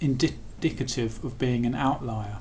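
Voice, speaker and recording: A man with a medium-pitched voice talks amid audible room echo. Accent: English. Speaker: commentator reading legal documents. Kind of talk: reading aloud. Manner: slow; halting.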